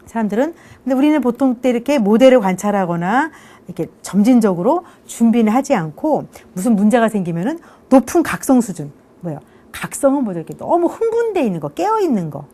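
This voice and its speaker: Middle-aged woman lecturer, mellow tone, very animated intonation, chatty, keeps checking for agreement. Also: fairly high pitch, fast, few pauses. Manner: conversational, keeps asking "그죠?" for agreement; rhetorical questions, answers them herself. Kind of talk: online university lecture.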